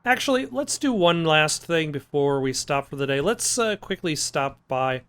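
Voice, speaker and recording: A man's voice: on the high side, lively intonation, moderate pace, fairly bright tone, smooth. A man hosting a casual gameplay commentary with dry, joking asides. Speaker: gameplay host. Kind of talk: casual let's play commentary. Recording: game music behind the voice.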